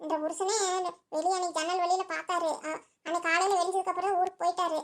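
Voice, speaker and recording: An extremely high-pitched, cartoonish character voice. It moves at a fairly quick pace. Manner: breathless, rambling storyteller.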